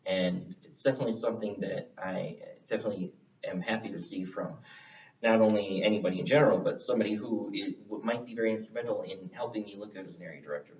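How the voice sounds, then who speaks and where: A man's voice: fairly low pitch, quick pace, a little mellow. A man hosting interviews with club members, friendly and wordy, encouraging as he talks. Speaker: interviewer and club area director. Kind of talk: casual interview. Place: club meeting room. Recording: roomy, distant, dull sound.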